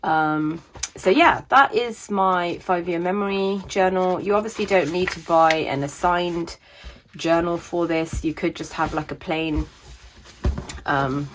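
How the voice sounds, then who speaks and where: A woman in her thirties chatting casually about her planners, meandering with many fillers, her voice slightly raspy from a sore throat coming on. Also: on the low side, measured pace, slight background noise. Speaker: planner vlogger. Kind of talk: casual chat.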